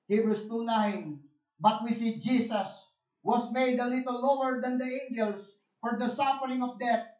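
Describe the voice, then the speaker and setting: A Filipino man preaching a bilingual sermon as pastor, shifting from soft, low asides to loud, emphatic lines, often stammering and repeating words. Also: measured pace. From Philippines. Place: church conference hall. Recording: roomy, dull church recording.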